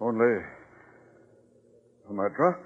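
An actor playing a pompous middle-aged contest sponsor with a guilty secret, in theatrical, formal 1950s radio style. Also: male voice, on the low side, expressive, slow pace, narrow, tinny audio. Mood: shaken. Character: pompous, excitable male contest sponsor hiding murders.

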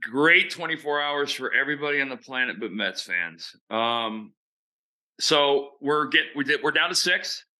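A man's voice: mid-range voice, lively intonation, a little slow, pushed and bright. A man giving blunt, opinionated baseball analysis in casual podcast chat. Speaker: baseball analyst and show regular.

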